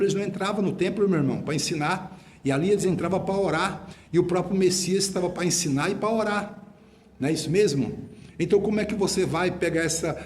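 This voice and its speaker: A man's voice: high-pitched, a little mellow, a little hiss or hum. A man preaching a sermon as an apostle, emphatic and rebuking, repeating phrases for stress.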